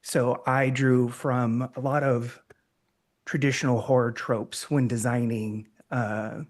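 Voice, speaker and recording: A man's voice: mid-range voice, little pitch movement, takes it slowly. A man on a convention panel, methodically explaining his tabletop game design.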